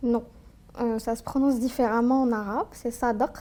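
Woman, 30s, soft dark timbre, thoughtful interview guest. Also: fairly high pitch, steady tone, normal speed. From Algeria. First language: Algerian Arabic. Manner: earnest, thoughtful, with frequent hesitations. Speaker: guest, tax lawyer. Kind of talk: personal interview, recounting her life.

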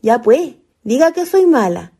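Woman playing high-voiced, coaxing young Chilean country ghost. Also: big pitch swings, measured pace, warm tone, breathy edge, full character voice. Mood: apologetic, coaxing. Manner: folksy rural speech, coaxing. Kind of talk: radio drama acting.

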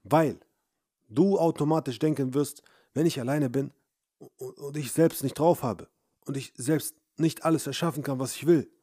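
A man's voice: mid-range voice, normal speed, dark tone, husky, dry recording, studio quality. Blunt, intense young man coaching. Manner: intense, blunt, swears, rhetorical questions. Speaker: dating and self-help coach. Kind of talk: motivational monologue.

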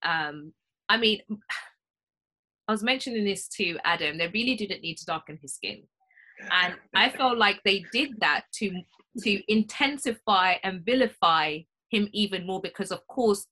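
A woman hosting a casual chat, emphatic and quick to agree. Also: medium pitch, sharp tone. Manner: emphatic, frequent agreeing interjections.

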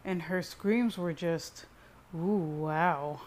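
A woman's voice: on the low side, drawn-out words, a little mellow. A smug, crude young man, played by a woman narrator, needles and teases in an annoying tone. He is the taunting brother of an audiobook drama. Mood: smug teasing. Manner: teasing, smug, hissing. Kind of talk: audiobook character reading.

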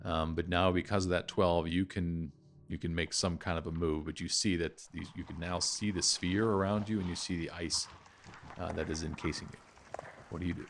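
A middle-aged man narrating an improvised tabletop game as game master, halting now and then to find his words. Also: low-pitched, steady tone. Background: music.

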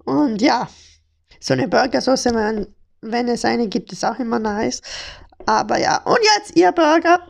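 A woman's voice: fairly high pitch, a little slow, creaky. A young woman from Hamburg hosting a casual, joking podcast chat with a friend. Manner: playful, joking, slang-heavy. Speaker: podcast host.

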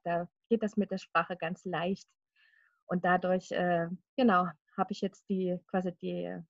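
A woman's voice: fairly low pitch, dry recording, muffled recording. A woman in her thirties, a guest in a casual podcast interview, talking chattily with frequent laughs and fillers. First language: German. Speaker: guest, singer and children's author.

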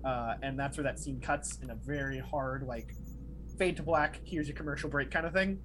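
Podcast co-host, male, mid-pitched, chatty and rambling, faint hiss under the voice. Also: moderate pace. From Miami, family from Peru. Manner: talkative, lots of "like" and "right?". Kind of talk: casual podcast chat. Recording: faint background noise.

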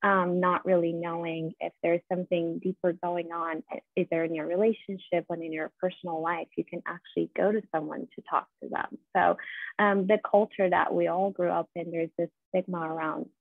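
A woman's voice: on the low side, little pitch movement, normal speed, vocal fry, no room sound. A woman in her thirties from Iran with a Persian accent, answering conversationally as a therapist guest on a podcast. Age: 30s. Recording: thin phone-like sound.

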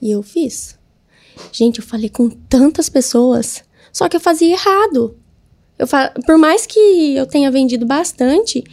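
A woman's voice: sits high, dark tone. A woman, a guest entrepreneur, telling her story in a casual interview and acting out her own past words.

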